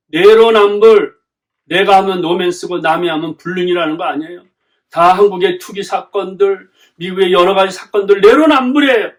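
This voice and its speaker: A middle-aged male pastor preaching a sermon, pressing his points with rhetorical questions and repeated lists. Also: a little high.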